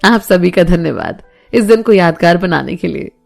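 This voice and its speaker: A woman's voice: on the low side, animated, normal speed, vocal fry, darkish tone, faint music behind, exaggerated voice. A woman voicing a young woman on her birthday, grateful and playful with her boyfriend and cousin.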